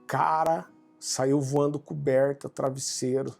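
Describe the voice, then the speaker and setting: A man's voice: medium pitch, level tone, slow pace, gravelly, a little mellow. A Brazilian man preaching, who tells a personal story with humor and animation in a home setting. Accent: Brazilian Portuguese. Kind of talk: sermon testimony. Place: home living room. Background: faint guitar music.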